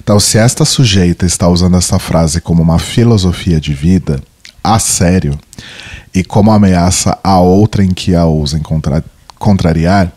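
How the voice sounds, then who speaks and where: A man's voice: deep voice, normal speed. A young man from Brazil with a cold, co-hosting a podcast in playful, chatty talk and reading listener emails aloud. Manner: playful, chatty, reads at a steady pace. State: has a cold. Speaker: podcast co-host.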